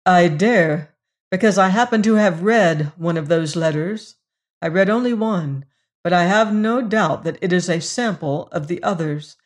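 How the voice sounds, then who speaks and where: A proud young gypsy woman of the slums, as a woman narrator plays her in a storybook reading. She speaks gravely and curtly, keeping herself in check with noble scorn. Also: lowish voice, unhurried, lightly acted. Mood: grave, firm. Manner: curt, grave, self-controlled.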